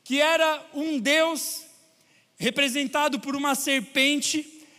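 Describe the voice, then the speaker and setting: A man with a Brazilian Portuguese accent preaching a sermon in a church, lively and joking with his congregation. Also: extremely high pitch, slow pace, big-room sound. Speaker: pastor. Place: large church hall.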